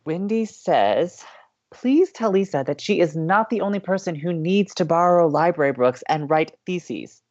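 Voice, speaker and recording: A man's voice: fairly high pitch, lively intonation, a little slow, dull audio. A man playing an upbeat, playful young college radio co-host with an American accent, teasing and eager, in audio drama banter. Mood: playful, cheery. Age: young adult.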